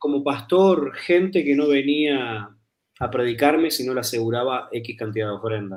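Moderate pace with ordinary pitch variation. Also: man, medium pitch for a man. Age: 40s. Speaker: pastor and businessman. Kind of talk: casual interview chat.

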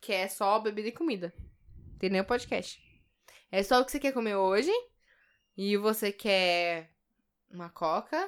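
A woman talks at a fairly slow pace. Her pauses are long and frequent. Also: medium pitch for a woman, ordinary pitch variation, very clean recording, silent background. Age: 20s. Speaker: podcast co-host. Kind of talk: casual chat.

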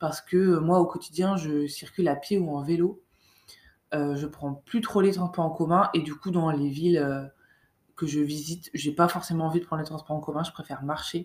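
Her pitch very deep and low, a woman speaks at a moderate pace with fairly even intonation. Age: 30s. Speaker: podcast host. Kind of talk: casual monologue. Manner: hesitant, many fillers.

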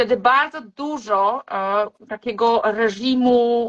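Her fairly high pitch and ordinary pitch variation mark this woman's delivery, a plain, everyday voice. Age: 40s. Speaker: nutrition and health coach. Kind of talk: casual chat. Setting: video call.

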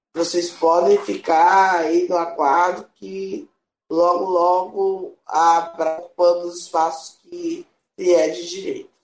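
A man's high-pitched voice at a very slow pace, with monotone, flat intonation. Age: 30s. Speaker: sociologist and doctoral student, intersex activist. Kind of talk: interview.

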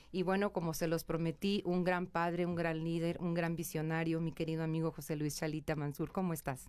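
A woman with a fairly low voice talks at a fairly quick pace with hardly any pauses, her intonation monotone and flat and her loudness very even. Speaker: radio host. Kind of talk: radio talk show.

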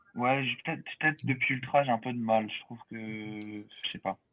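A man with an ordinary speaking voice talks at a medium pitch and a fairly slow pace, his intonation fairly even. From France, Strasbourg (Alsace). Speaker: rapper. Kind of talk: casual chat.

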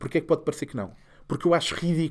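This is a very clean recording with a silent background. Vocal fry runs through the man's speech. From Lisbon, Portugal. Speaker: comedian and podcast host. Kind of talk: casual chat.

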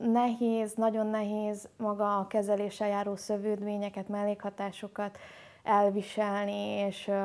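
A woman's fairly high, flat, monotone voice at a fairly slow pace, on a very clean recording with a silent background. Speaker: recovered leukemia patient. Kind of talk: personal testimony. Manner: halting.

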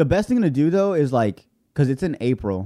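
With an American accent, a man with a fairly high pitch and a dark, mellow tone talks at a fairly quick pace, the sound dry and close with no echo. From Imperial Valley, California. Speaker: podcast co-host, army veteran. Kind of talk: casual chat.

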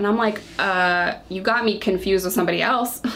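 Amid noticeable background noise and audible room echo, a woman speaks at a fairly quick pace with fairly even intonation. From upstate New York. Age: 30s. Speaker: former prisoner and YouTuber. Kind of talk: interview testimony.

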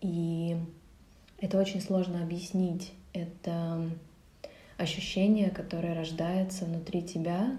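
In a room with audible echo, a woman with a fairly low pitch and a dark, mellow tone speaks very slowly and somewhat breathily. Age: 20s. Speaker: furniture designer and photographer. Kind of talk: recorded monologue answering questions.

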